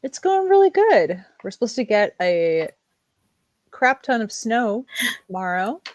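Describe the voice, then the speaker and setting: A woman co-host with a mid-pitched voice that sounds dry and close to the mic. She is blunt and sardonic and laughs easily. The talk is loose and casual. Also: big pitch swings, measured pace, a little mellow, dry recording. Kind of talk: casual chat.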